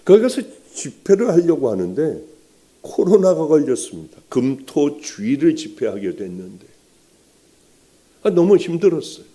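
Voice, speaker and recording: An older man preaching a sermon as a pastor, telling a personal testimony with strong emotion and often dropping to hushed, near-whispered words. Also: fairly high pitch, big pitch swings, moderate pace.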